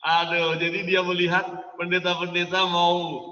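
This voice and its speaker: A man preaching to church workers, anecdotal and animated, laughing often as he makes his points. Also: high voice, moderate pace. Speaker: pastor. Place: church hall. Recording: echoey hall, from far off, dull.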